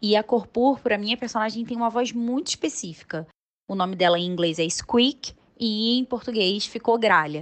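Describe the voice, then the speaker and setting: A woman talks at a moderate pace in a normal speaking voice, fairly high in pitch with ordinary pitch variation. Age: 30s. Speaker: actress, singer, voice actor and speech therapist. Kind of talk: interview.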